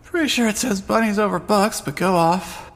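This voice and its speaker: A man's voice: high voice, normal speed, fairly bright tone. An actor with a male-sounding voice playing a groggy, irreverent young trans woman with a casual, sardonic manner in a fan-dub audio drama. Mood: snarky, defiant. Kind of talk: scripted first-person dialogue and narration.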